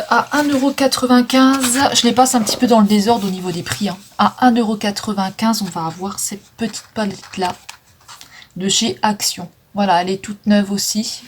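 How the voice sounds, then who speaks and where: A woman's voice: medium pitch, slight background noise. A woman chatting casually through a makeup declutter, with frequent fillers, stumbling over English names. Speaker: vlogger selling makeup. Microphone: phone.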